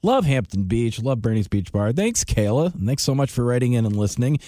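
Animated, jokey male radio host. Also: mid-range voice, a little fast, no room sound, clean studio sound. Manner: jokey, animated, reads listener messages aloud. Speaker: radio morning show host. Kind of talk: casual morning radio chat.

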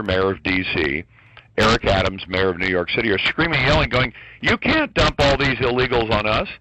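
Deep, bright-voiced combative radio man. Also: no echo, lo-fi sound. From born in Taiwan to American parents. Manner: combative, indignant, punchy delivery. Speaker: talk radio host, guest. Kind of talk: radio talk interview. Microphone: studio microphone.

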